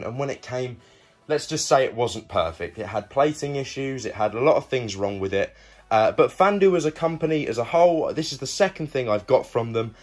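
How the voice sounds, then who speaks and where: This young man reviews a product in a relaxed, conversational way, speaking straight to his viewers and calling them guys. His voice is medium-pitched and slightly mellow, and he's the video's reviewer and host.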